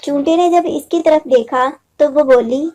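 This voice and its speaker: A woman's voice: high voice, unhurried, mellow. A woman storyteller reading a scripted moral story for children.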